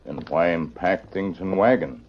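An actor playing a loyal, stoic Native American sidekick who speaks terse, halting broken English in an old radio Western style. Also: male voice, low-pitched, lightly acted. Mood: pondering. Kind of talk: 1940s radio acting. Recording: noisy, muffled old radio recording.

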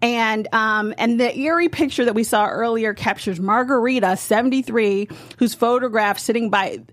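A woman's voice: fairly high pitch, moderate pace, no echo. A woman co-hosting a TV review show, talking casually with lots of fillers. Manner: chatty, frequent fillers and laughs. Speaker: podcast co-host.

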